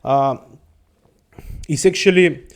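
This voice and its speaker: A high-voiced man from the Balkans hosts a casual monologue for viewers, taking it slowly. He rambles, swears, laughs often and keeps saying "my friends."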